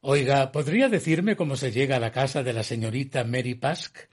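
An actor playing a reflective gentleman who narrates his own eerie tale in a radio drama, in a measured, literary manner. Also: mid-range voice, a little hiss or hum, natural voice. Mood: insistent. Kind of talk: scripted first-person radio drama narration.

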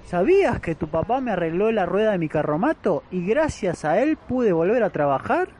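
A man's voice: high-pitched, big pitch swings, moderate pace, a little mellow, a little hiss or hum. A man playing a friendly, grateful travelling fairground trader in a radio play, chummy and colloquial, with an Argentine accent. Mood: friendly, surprised.

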